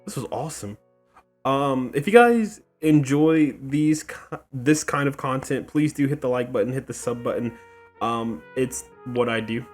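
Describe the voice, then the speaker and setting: A man's voice: mid-range voice, moderate pace, faint music behind. A man hosting a gaming video, giving casual, slangy playthrough commentary and often repeating himself.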